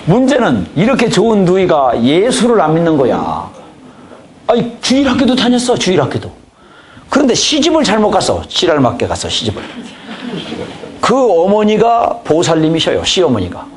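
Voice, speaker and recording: A man's voice: sits high, wildly swooping pitch, normal speed, slight background noise. A pastor in his fifties giving a church training lecture, telling folksy family stories and acting out conversations. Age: 50s. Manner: folksy storytelling, acts out dialogue. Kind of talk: lecture on evangelism.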